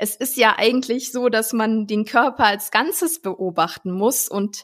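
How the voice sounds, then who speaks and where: A woman talks in a normal speaking voice with ordinary pitch variation. Her pace is fairly slow. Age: 20s. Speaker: student and actress. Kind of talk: podcast interview.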